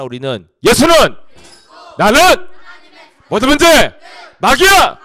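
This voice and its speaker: A middle-aged man preaching a sermon to teenagers, casual and animated, acting out the voices of people in his stories. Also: a little high, dry recording, clean studio sound. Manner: lively, acts out quoted voices. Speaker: pastor. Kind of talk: youth sermon.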